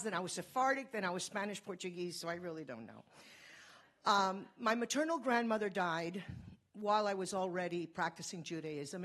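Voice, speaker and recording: A woman from Cuba giving a fast, earnest conference talk, telling a personal story. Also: medium pitch, fairly bright tone. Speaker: conference speaker.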